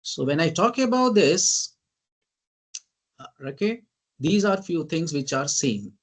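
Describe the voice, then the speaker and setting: A man with an Indian English accent, giving an online teaching lecture. He keeps asking "right?" and often says "ladies and gentlemen.". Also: fairly high pitch, animated, takes it slowly. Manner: lists terms in emphatic bursts. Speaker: guest lecturer.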